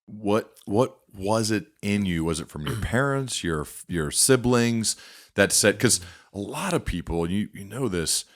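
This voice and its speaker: Low-voiced male podcast interviewer. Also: animated, a little slow. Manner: engaged, thinks aloud in long, layered questions. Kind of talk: conversational interview questioning.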